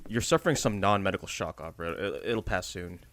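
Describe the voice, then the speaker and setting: A man's voice: low voice, expressive, fast talker, fairly bright tone, no echo. A man as a police officer, dry sound. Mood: calm. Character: steady male small-town police officer. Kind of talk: audio drama acting.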